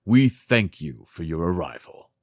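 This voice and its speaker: Man acting a very deep, stately king. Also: very animated, measured pace, creaky, dry recording, studio quality, full character voice. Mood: courtly, formal. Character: formal, stately fantasy king. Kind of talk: fantasy audio drama acting.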